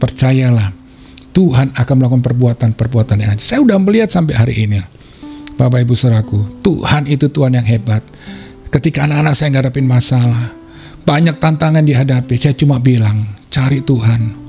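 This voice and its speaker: A male pastor preaching a sermon with passion, his voice jumping up in pitch to stress a point. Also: lively intonation, a little fast, mellow, faint music behind.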